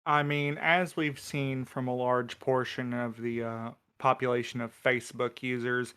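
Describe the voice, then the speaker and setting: A man's voice: mid-range voice, level tone, unhurried, pushed and bright, clean tone. A man in a podcast cast, chatting casually in a wry, joking way. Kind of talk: casual panel chat.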